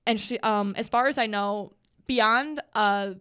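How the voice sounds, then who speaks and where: A woman's voice: medium pitch, measured pace, a bit bright, clean tone. A young woman co-hosting a podcast, chatting casually and rambling with lots of fillers and restarts. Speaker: podcast co-host. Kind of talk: casual chat.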